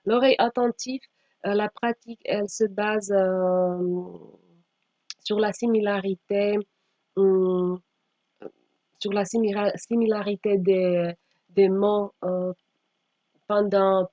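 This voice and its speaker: A woman giving a slide presentation as a teacher trainer, speaking haltingly with frequent pauses and sometimes reading aloud. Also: medium pitch, dark tone. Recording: dull, echoey room sound.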